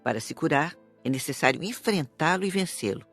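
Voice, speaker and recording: A woman playing a calm, serious spirit teacher in an audiobook, speaking in a measured, didactic way. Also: deep voice, soft background music. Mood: instructive. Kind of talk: audiobook dialogue.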